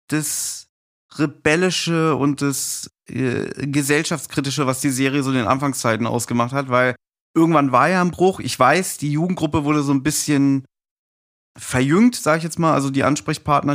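A man's voice: a little high, normal speed. A middle-aged man talking casually and reminiscing as a guest on a podcast.

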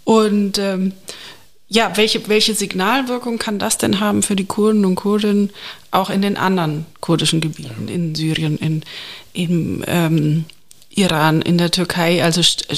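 A woman with a mid-pitched voice and some vocal fry moderates an interview. She asks thoughtful, careful questions and pauses often to hesitate.

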